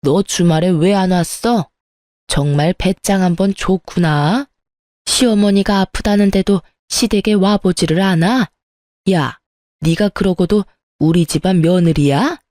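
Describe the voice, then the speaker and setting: A woman's voice: lowish voice, measured pace, darkish tone, no echo, studio quality, lightly acted. A woman voicing a harsh older mother-in-law who berates and insults her daughter-in-law in a storybook reading. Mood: angry scolding.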